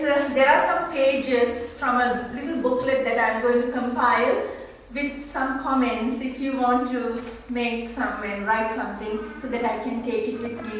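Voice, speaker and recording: A woman in her sixties with a fairly high voice gives a halting, informal speech of thanks. It is recorded from a distance in a hall with very heavy echo. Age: 60s. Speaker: author thanking guests at her book launch. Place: large roomy indoor gathering, mic at a distance. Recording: echoey hall, distant mic, faint noise.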